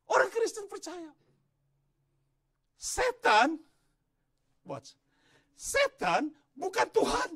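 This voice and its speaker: A man from Indonesia, a pastor, preaching a sermon in an animated way, rising into shouts and turning aside to talk to the congregation. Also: extremely high pitch, extremely slow, pauses often. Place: church.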